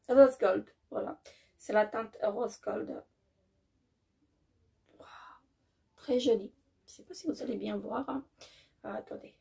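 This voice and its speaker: Hesitant woman with a gravelly, higher voice. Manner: hesitant, many filler pauses and restarts; warmly enthusiastic about products. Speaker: beauty vlogger. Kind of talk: casual product unboxing chat.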